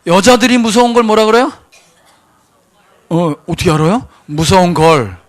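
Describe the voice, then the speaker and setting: Male pastor with a slightly raised pitch, lively sermon delivery that keeps quizzing the congregation. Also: moderate pace. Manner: animated, rhetorical questions to the congregation. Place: church sanctuary.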